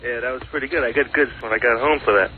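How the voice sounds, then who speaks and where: A man calls in to a radio show and chats casually. He talks extremely fast at a middling pitch. The phone line is thin and tinny. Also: fairly even intonation, a crowd in the background. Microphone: telephone. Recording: tinny band-limited phone call.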